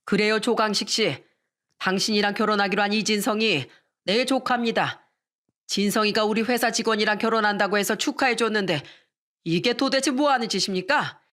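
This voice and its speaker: A woman's voice: mid-range voice, a little fast, fairly bright tone, close to an everyday voice. A woman voicing an angry, stern male company CEO defending his niece in a dramatized radio story. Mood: indignant. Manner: firm, indignant formal speech.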